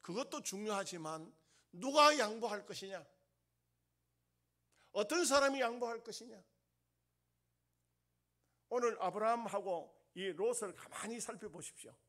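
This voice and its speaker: A male pastor with a high voice preaches emphatically, repeating lines and asking the congregation questions while swinging between loud bursts and soft asides.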